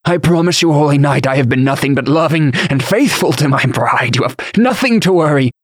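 A man's voice: fairly high pitch, lively intonation, fairly quick, no echo, studio quality. A man voicing an indignant, frightened bishop in an audiobook, spluttering and pleading. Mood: terrified pleading. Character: indignant, terrified male bishop pleading and blustering. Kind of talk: audiobook character acting.

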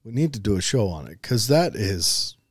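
A man's voice: fairly low pitch, sing-song, normal speed. A man with an Appalachian hillbilly accent chatting casually as a talk show co-host, folksy, rambling and self-deprecating. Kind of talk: casual chat, reading out listener comments.

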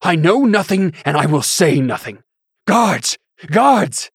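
A man voicing a pompous middle-aged bishop who blusters and pleads in a shrill, strained voice. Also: lively intonation, moderate pace, slightly rough, no echo, clean studio sound. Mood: blustering outrage.

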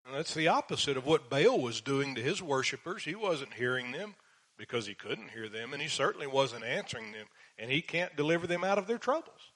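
A man teaching the Bible verse by verse, reading passages slowly and then explaining them with dry sarcastic asides. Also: medium pitch, very animated, a bit bright.

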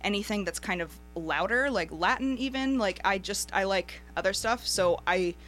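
A woman in her twenties with an American accent, a drummer chatting lively and emphatically in a radio studio interview. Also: mid-range voice, moderate pace, faint music behind, low-quality recording. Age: 20s. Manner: lively, laughs often, emphatic.

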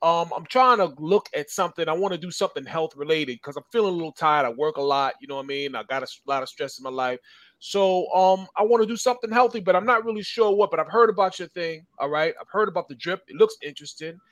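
A man's voice: fairly high pitch, quick pace, fairly bright tone, no echo. A man, chatting casually and poking fun at himself. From Long Island, New York. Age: 50s. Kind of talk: casual podcast chat.

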